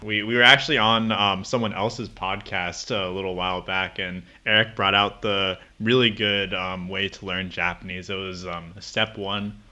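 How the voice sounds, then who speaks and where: A man's voice: sits low, steady tone, moderate pace, few pauses, bright, forceful tone, highs cut off. A man hosting a podcast, asking questions casually with many hedging fillers. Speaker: podcast host.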